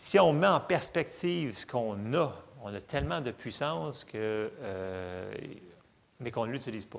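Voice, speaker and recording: A man with a Quebec accent, animated in tone, with very wide pitch swings. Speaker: pastor. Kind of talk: sermon, preacher in full flow, teaching with scripture, rhetorical questions and prayer. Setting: church. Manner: animated, conversational and earnest; urgent, forceful, commanding when praying and declaring.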